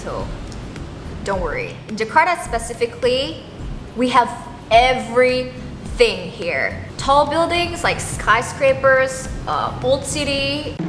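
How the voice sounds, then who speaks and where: A woman's voice: on the high side, roomy sound, big-room sound. A woman from Indonesia, chatting casually to camera as a vlogger and often checking in with viewers. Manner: chatty, often asks viewers okay and right.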